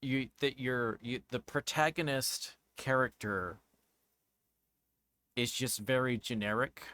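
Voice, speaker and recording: A man giving casual, rambling commentary as a game streamer, halting and searching for words, often trailing off mid-thought. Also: mid-range voice, sharp tone, dry recording. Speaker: streamer reviewing a visual novel game.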